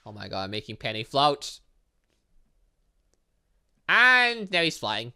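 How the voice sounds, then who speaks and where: Animated, bright-voiced man doing game commentary. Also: medium pitch, slow, clean tone. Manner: excitable, reactive exclamations. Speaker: gaming channel host. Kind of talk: let's play commentary, reading game dialogue aloud.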